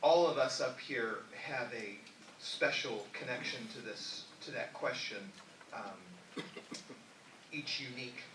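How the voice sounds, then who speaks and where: A man, a city councilman running for office, answering in a political debate in a halting, measured way. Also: medium pitch, noisy background. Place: debate hall. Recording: echoey hall from far off.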